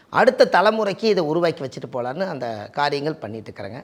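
There is vocal fry in this man's voice, which is fairly high in pitch. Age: 40s. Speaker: astrologer. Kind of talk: interview, explaining remedies.

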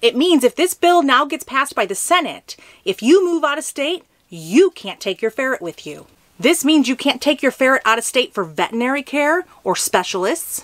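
Words come at a fairly quick pace. Pitch rises and falls over a very wide range. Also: woman. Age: 30s. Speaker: pet YouTuber. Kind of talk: advocacy video. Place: home room. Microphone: phone near.

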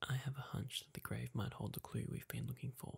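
A soft-spoken voice at a fairly quick pace. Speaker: ASMR game narrator. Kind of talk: reading game dialogue aloud. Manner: soft-spoken ASMR reading of dialogue.

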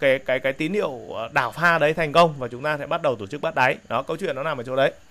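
A fairly high-pitched man talking at a very fast pace. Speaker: stock market analyst. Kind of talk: market analysis broadcast. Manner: hesitant, frequent fillers.

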